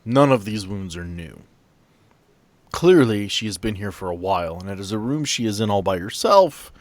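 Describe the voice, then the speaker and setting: A man's voice: lowish voice, expressive, normal speed, no room sound. A man narrating an improvised tabletop roleplaying game as game master, with a casual, joking way of talking.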